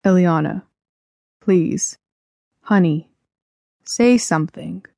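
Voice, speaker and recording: A woman's voice: on the low side, fairly even intonation, moderate pace, warm tone, dry recording, studio quality, lightly acted. Woman reading as serious, tender father. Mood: pleading. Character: serious middle-aged military father, tender, regretful. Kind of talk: audiobook character dialogue.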